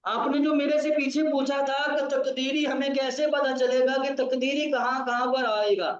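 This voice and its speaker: A male teacher with a very high-pitched, flat voice at a moderate pace gives a grammar lesson. He is patient, repeats key points and checks that his student understands, in a distant, roomy, dull lo-fi recording.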